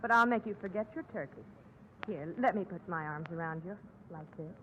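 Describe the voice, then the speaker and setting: A woman's voice: fairly low pitch, fairly quick, natural voice. A woman playing a coaxing seductress. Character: flirtatious woman wooing a man. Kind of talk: 1940s radio comedy. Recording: tinny, noisy old radio broadcast.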